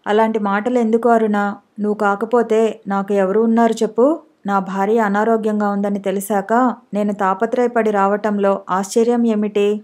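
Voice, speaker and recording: A woman voicing a gentle, devoted husband who soothes and reassures his sick wife, in an audiobook. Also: mid-range voice, flat delivery, normal speed, close to an everyday voice. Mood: soothing.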